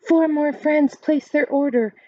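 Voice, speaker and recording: A woman in her thirties reading a children's book aloud like a teacher, expressive and instructive, pausing to explain. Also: sits high, no room sound. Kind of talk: read-aloud storytelling with explanations. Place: small furnished room indoors at home. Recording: dull lo-fi webcam sound.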